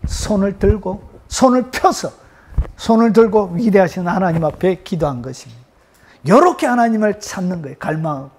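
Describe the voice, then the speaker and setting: High, lively pastor preaching. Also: male voice. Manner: animated preaching with constant rhetorical questions to the congregation; bursts into loud shouts of praise. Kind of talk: sermon.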